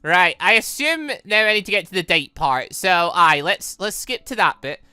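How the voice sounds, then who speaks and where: A man's voice: high voice, animated, moderate pace, bright, forceful tone, clear, resonant tone, no echo. A man giving chatty, rambling let's play commentary, often correcting himself as he goes, close on the mic. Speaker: gaming channel host. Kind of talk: let's play commentary with read-aloud dialogue.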